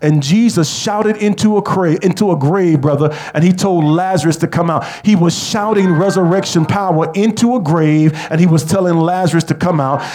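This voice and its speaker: A man preaching a sermon, leading the congregation in call-and-response and rising to shouts. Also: high voice, normal speed, hardly any pauses.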